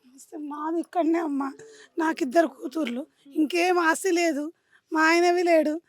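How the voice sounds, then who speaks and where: A woman's voice: very high-pitched, steady tone, moderate pace. A widowed woman with a Telangana Telugu accent pleading in despair during a street interview. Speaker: widowed resident.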